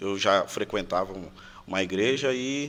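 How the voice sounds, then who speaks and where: A man with a normal speaking voice talks at a fairly slow pace. His intonation is lively. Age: 30s. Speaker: former amateur footballer. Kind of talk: casual testimony.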